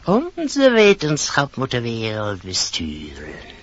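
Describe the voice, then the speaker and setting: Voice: mid-range voice, huge pitch swings, takes it slowly, heavily acted. An actor voicing a sly, worldly-wise snake in a radio play, talking in an insinuating way. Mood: sly, scheming. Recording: dull vintage radio recording.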